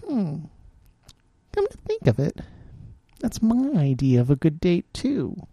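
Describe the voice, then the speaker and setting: A man voicing a miserable, self-mocking trans woman, raising his pitch and sounding tearful and wry. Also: wildly swooping pitch, takes it slowly, warm tone, husky, dry recording, exaggerated voice. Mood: wry disbelief.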